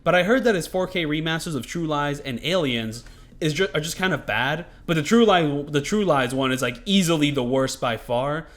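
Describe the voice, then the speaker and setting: A man's voice: fairly high pitch, normal speed, a bit bright. A man giving casual, rambling commentary over gameplay, loose and profane, with lots of filler words.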